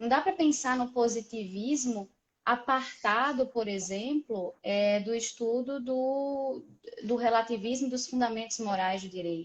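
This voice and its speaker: A woman speaks at a fairly slow pace in a high voice with ordinary pitch variation. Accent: northeastern Brazilian. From Brazil, Natal (Rio Grande do Norte). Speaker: law professor and lawyer. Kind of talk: live stream interview.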